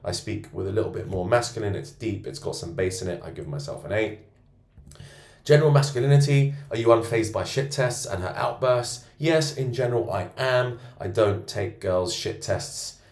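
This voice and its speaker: A man coaching men on self-improvement, rating himself out loud in a boastful, self-assured monologue from a co-working space. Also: lowish voice, normal speed. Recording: roomy echo.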